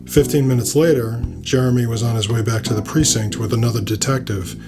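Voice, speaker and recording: A man's voice: mid-range voice, steady tone, fairly quick, over music. A man reading scripted first-person fiction as the narrator of an audio story.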